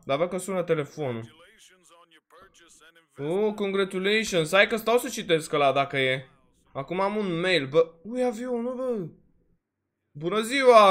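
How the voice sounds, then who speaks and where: A man with a Romanian accent giving casual let's-play commentary, chatty and exclamatory, his voice slightly worn. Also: on the high side. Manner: chatty, exclaims often, peppers talk with "frate" and "bă". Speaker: gaming video host.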